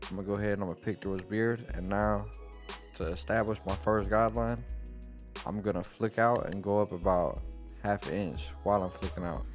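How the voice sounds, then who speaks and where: A young man, a barber, giving a laid-back tutorial voice-over from a small dim room at home, speaking into a boom-arm studio mic. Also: brisk. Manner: laid-back, plain instructional talk. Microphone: studio microphone on boom arm. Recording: faint guitar music underneath. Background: faint guitar music.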